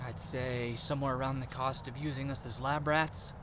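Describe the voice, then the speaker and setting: A man's voice: mid-range voice, fairly even intonation, normal speed, lightly acted. A man acting an earnest, blunt young escaped test subject in an audio drama, sounding worried. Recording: clearly noisy outdoor ambience bed.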